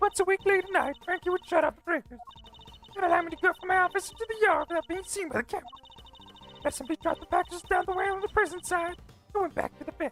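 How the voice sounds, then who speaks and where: A put-on character voice rattles along at a very fast pace in an extremely high pitch. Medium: game stream. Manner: gushing terms of endearment.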